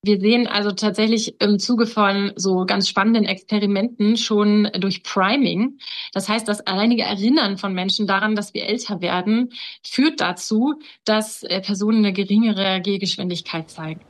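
A woman's voice: medium pitch, steady tone, moderate pace. A woman psychologist explaining research findings in a fluent, explanatory way. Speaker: expert interviewee, psychologist.

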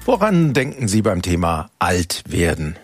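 A man presenting the news in a scripted, lively way from a studio. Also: deep voice, measured pace, soft background music.

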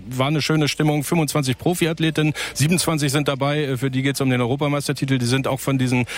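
A man reporting live for radio from an outdoor race finish, talking conversationally with frequent fillers. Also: mid-range voice. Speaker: sports reporter. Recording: crowd noise behind.

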